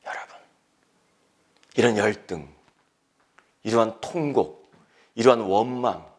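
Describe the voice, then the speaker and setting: A male pastor preaching a sermon, swinging between loud emphatic exhortation and hushed whispered lines. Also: lowish voice, slow, breathy edge.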